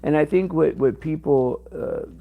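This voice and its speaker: A man's voice: on the high side, creaky, narrow, tinny audio. Man with a strained, cracking voice. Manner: rambling, halting, heavy with fillers. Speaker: livestream host. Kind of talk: casual livestream chat.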